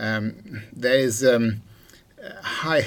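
A man speaks over noticeable background noise. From Germany. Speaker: law firm partner, arbitration lawyer. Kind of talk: interview.

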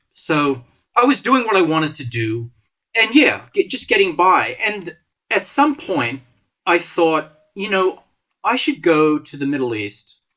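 A man's bright, sharp tone with very wide pitch swings at a moderate pace. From Malta. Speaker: comics journalist. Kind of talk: interview conversation.

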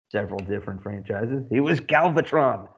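This man has an ordinary speaking voice, medium in pitch, with lively intonation and a moderate pace. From Upstate New York (Utica). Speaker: podcast co-host, military veteran. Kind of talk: casual chat.

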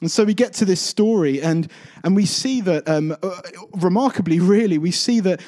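This unforced reading voice shows ordinary pitch variation.

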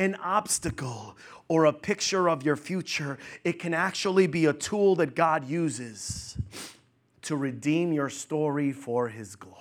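On a very clean recording with a silent background, a man with an unremarkable speaking voice talks at a fairly slow pace, fairly high in pitch, with lively intonation. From US Northeast (Newburgh, New York), Puerto Rican family. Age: 50s. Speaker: pastor. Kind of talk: sermon. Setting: church with congregation and live stream.

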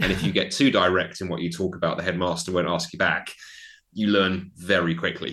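A man's very deep, low voice with a London accent against a quiet background. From London, England. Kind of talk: casual interview conversation.

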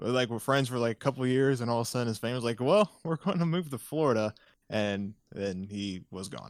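A man with an unremarkable speaking voice and an American accent speaks at a moderate pace and medium pitch on a very clean recording with a silent background. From Indiana, US. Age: 20s. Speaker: video editor and hobby streamer. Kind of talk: casual chat.

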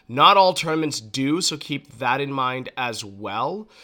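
On a very clean recording with a silent background, a man speaks in a bright, sharp, enthusiastic tone with ordinary pitch variation. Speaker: poker podcast host. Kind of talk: solo podcast monologue. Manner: less enthusiastic.

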